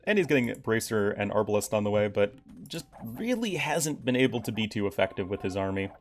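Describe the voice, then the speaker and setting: A man's voice: on the low side, sing-song, fairly quick, a little hiss or hum. A young man casually commentating a strategy game on his live stream, chatting with his viewers. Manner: casual, chatty, reacts to chat. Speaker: game caster.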